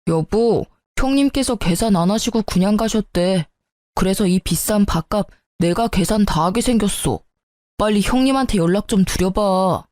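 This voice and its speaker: A woman's voice: mid-range voice, moderate pace, darkish tone, no room sound, clean studio sound, lightly acted. A woman voicing a tactless, sulky young husband in a story radio drama, whining and self-justifying.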